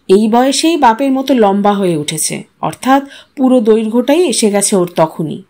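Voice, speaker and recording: A woman's voice: fairly high pitch, darkish tone. A woman reading a literary short story aloud as a scripted audio narration.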